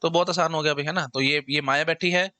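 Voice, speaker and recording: Bright, dry-voiced Hindi-speaking male teacher. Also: fairly high pitch, steady tone, quick pace, clean tone, dry recording. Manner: explains step by step, repeats the question in English, mixes Hindi and English; casual, often says "theek hai ji" and "bhai". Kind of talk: exam-prep lecture.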